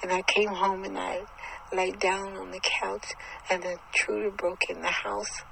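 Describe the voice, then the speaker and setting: A frightened older mother, voiced by a woman telling a story, her cries climbing high and shrill, with a gravelly rasp beneath them. Background noise runs under the recording. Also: little pitch movement, measured pace, sharp tone, heavily acted, rough recording. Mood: shaken. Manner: panicked, high and shrill when scared.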